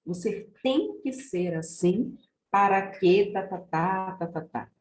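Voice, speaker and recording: A woman's voice: medium pitch, expressive, takes it slowly, darkish tone. A woman, taking part in an online study group over a video call and thinking aloud in a chatty way. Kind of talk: casual group discussion. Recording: echoey room on a call.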